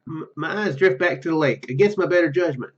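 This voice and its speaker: Male gamer, fairly high voice, halting read-aloud, casual asides, dull recording. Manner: halting reading, stumbles and repeats words. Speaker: gaming video host. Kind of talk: reading game narration aloud with casual commentary.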